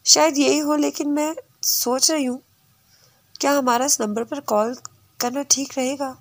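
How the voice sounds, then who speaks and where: A woman's voice: sits high, fairly even intonation, unhurried, no echo, pitched above the performer's own voice. A woman reading the part of an anxious, talkative young woman who asks nervous questions.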